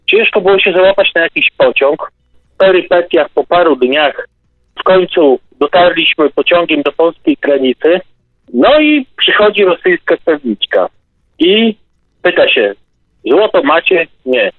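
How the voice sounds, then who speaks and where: A man's voice: a little high, animated, unhurried, no room sound. Man telling stories over a tinny phone line. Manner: anecdotal, with hesitations. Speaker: caller. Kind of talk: casual storytelling.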